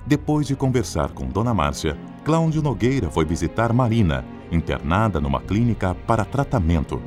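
A man with a Brazilian accent reading a scripted radio drama introduction in a solemn, dramatic announcer's delivery. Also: low voice.

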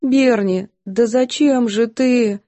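A woman voicing a timid, weepy young housemaid who wails and sobs high in her voice. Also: takes it slowly, warm tone, full character voice. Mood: wailing. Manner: wailing, high and tearful.

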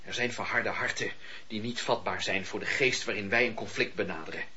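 An actor playing a stern, righteous religious leader in a historical radio drama, preachy and emphatic. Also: male voice, fairly low pitch, steady tone, brisk, sharp tone. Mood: righteous, unyielding. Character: stern, indignant male religious leader of old England. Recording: muffled lo-fi radio drama recording.

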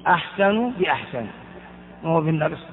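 High-voiced guy teaching grammar, slow, keeps asking the class stuff then answering it, tinny phone-ish sound in a big echoey hall. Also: animated, gravelly. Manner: asks the class questions and answers them himself; slow and deliberate, repeating key terms.

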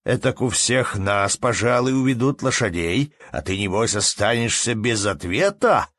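A man voicing an indignant crowd of peasants, speaking loudly and scolding in rustic speech. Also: fairly low pitch, lively intonation, normal speed, no echo, studio quality, voice pushed up.

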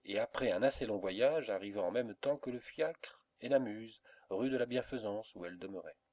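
A man narrating a classic novel as an audiobook, reading in a measured, steady way. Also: lowish voice. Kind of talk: scripted literary narration.

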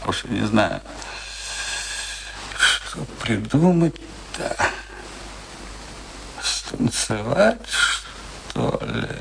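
An actor playing a bitter, theatrical older husband in a radio play, mocking and deliberate in his delivery. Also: on the low side, wildly swooping pitch, gravelly, fairly bright tone, slight background noise, heavily acted, poor audio. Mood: wry. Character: sardonic, bitter, theatrical aging husband in a long marriage.

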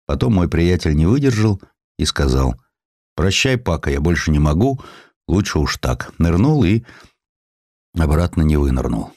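A man voicing a poor, ailing ex-sailor turned postman, gruff, proud and kind-hearted, with blunt, salty, plain-spoken delivery in an audio story. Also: extremely low pitch, big pitch swings, moderate pace, a little mellow, no room sound, clean studio sound, exaggerated voice. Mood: gruff, matter-of-fact.

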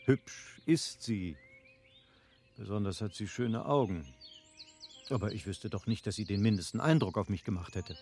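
Actor as a low-voiced, persuasive gentleman husband. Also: normal speed, soft background music, natural voice. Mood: offhand, candid. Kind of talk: literary German radio drama acting.

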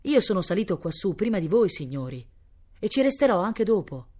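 A woman voicing a gentle but stubborn young baron, polite, hesitant and yet firm, in a storybook reading. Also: medium pitch, big pitch swings, fairly quick, husky, voice pushed up. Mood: firm, resolute.

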